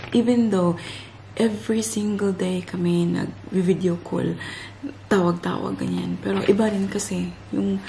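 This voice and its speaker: A woman's voice: fairly low pitch, vocal fry, dark tone, slight background noise, low-quality recording. A woman chatting casually to her viewers in a family vlog, calling them "guys" and laughing often. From Philippines. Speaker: family vlogger. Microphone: handheld vlogging camera or phone.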